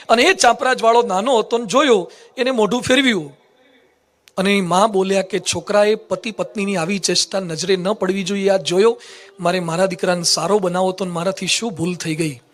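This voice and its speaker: High bright-voiced male preacher. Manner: playful, teasing, quizzes children in the audience. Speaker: monk preacher. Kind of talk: humorous Gujarati religious discourse. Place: assembly hall with a live audience.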